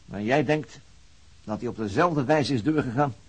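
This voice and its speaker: An actor playing a sober, weary police detective in a radio drama, restrained and questioning, with a very husky voice. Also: male voice, medium pitch, normal speed, a little mellow, close to an everyday voice, rough recording. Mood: thoughtful.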